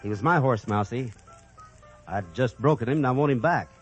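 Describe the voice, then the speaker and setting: A man's voice: medium pitch, animated, fairly quick, natural voice. A man narrating and playing the cowboy hero of an old radio western, in an easygoing, plain-spoken way. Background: music.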